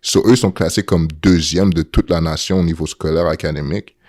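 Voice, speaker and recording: Man, young adult, Quebec French accent, very low pitch, casual podcast chat, lively storytelling. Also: a little fast. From Montreal. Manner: animated, mixes in English slang. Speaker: guest football player.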